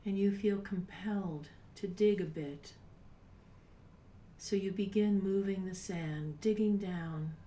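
A woman in her sixties leading a guided meditation in a soft, breathy, unhurried voice with long pauses, at times near a whisper. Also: mid-range voice. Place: small home room, indoors. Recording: roomy, distant mic with background noise.

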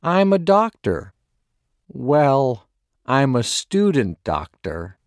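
Man, mid pitch, lively intonation, slow clear lesson reading. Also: dry recording, clean studio sound. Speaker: dialogue reader. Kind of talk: scripted language-lesson dialogue.

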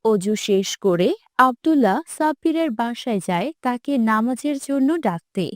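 A woman narrating a children's cartoon story in a gentle manner. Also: on the high side, animated, normal speed, no room sound, lightly acted. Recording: dry voice over children's music.

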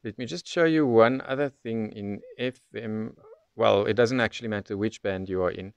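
A radio tutorial presenter gives an unscripted product demonstration, walking through each step methodically. His voice is fairly low, creaky yet smooth, at a normal speed, with no room sound.

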